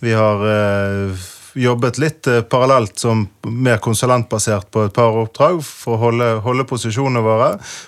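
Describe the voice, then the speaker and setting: Over a very clean recording with a silent background, a man talks with fairly even intonation. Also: medium pitch for a man, fairly slow pace. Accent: Bergen. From Bergen, Norway. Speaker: real estate office manager. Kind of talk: interview.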